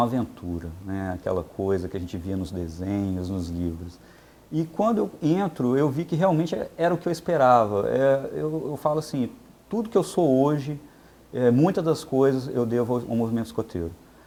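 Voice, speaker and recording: Speaking at a moderate pace, a man with a medium pitch and a dark, mellow tone sweeps through very wide pitch swings. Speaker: scouting association president. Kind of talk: TV interview. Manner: calm.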